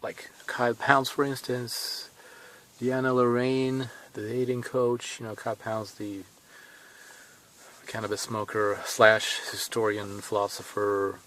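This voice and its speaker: A man in his thirties with a Swedish accent, talking casually to camera from inside a car, thinking aloud with pauses and restarts. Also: mid-range voice, completely flat delivery, a bit bright, slight background noise. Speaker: vlogger.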